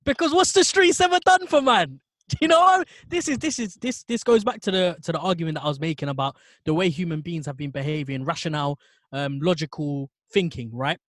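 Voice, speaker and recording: A man's voice: fairly high pitch, fairly quick, fairly bright tone, no room sound, studio quality. A man with a London roadman accent, chatting and arguing casually in street slang. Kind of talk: casual chat, debating.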